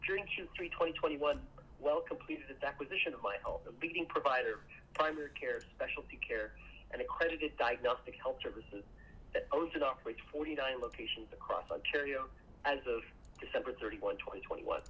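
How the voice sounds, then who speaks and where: Dull, band-limited call audio with noise carries a man's mid-pitched voice. He speaks as a company executive, reading a prepared financial presentation. His delivery is formal and measured throughout. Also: sharp tone. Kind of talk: scripted earnings call presentation.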